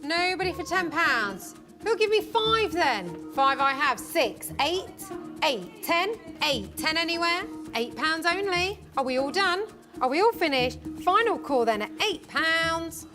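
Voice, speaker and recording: High-pitched woman auctioneer calling bids. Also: big pitch swings, measured pace, music in the background. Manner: auctioneer calling bids in short repeated phrases.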